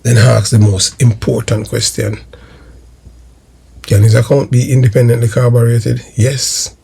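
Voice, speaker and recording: A man's voice: mid-range voice, flat delivery, measured pace, gravelly, warm tone, breathy edge. A Jamaican man delivering emphatic political commentary to his viewers in a declamatory way, repeating phrases for emphasis. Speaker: host of a political history video channel.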